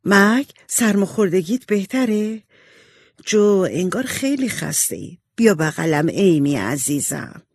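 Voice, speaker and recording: A woman voicing a loving mother of four daughters who speaks in a warm, reassuring way. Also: mid-range voice, very animated, husky, dry recording, studio quality. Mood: tender.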